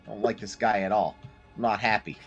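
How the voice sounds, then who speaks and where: A man's voice: lowish voice, steady tone, a little fast, breathy edge, lo-fi sound, faint music behind, pitched below the performer's own voice. A man playing Louis, a brash, foul-mouthed mobster with a New Jersey accent, in a tabletop game. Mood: threatening. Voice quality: brash, profane, threatening.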